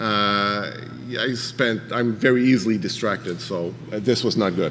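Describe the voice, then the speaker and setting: With a Quebec accent, a man speaks at a fairly low pitch with ordinary pitch variation, and the room echo is audible. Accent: French Canadian accent in English. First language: French. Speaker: language rights commissioner, keynote speaker. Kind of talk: keynote speech. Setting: conference stage with audience. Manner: halting, many fillers.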